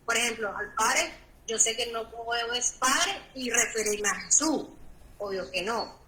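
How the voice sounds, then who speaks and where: Hesitant bright-voiced woman in an echoey room. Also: on the high side, a little slow. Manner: hesitant, searching for words. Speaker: student asking a question.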